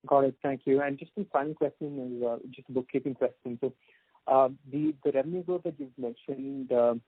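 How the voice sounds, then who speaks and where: A man asking halting, long-winded questions as an analyst on an earnings call. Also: medium pitch, creaky, slightly rough, no echo. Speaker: analyst caller. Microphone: telephone. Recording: tinny, dry phone line.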